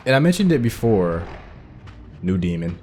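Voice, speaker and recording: A man's voice: lowish voice, sing-song, moderate pace, darkish tone, soft background music. A man hosting a gaming playthrough with casual commentary, repeating phrases for emphasis. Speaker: gaming video host.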